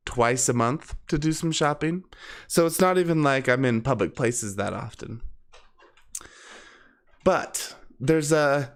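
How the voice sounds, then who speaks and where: A man's voice: medium pitch, a bit bright, smooth. A man with a slightly congested, sniffly voice from a cold, chatting casually and conversationally to his live stream viewers. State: sick with a cold.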